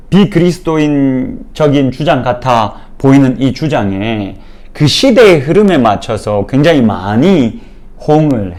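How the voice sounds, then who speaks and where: A man's voice: on the high side, a little mellow. A man giving a Bible lecture to a church audience, explaining patiently and speaking straight to his listeners with frequent fillers. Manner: explanatory, addresses listeners directly, many fillers.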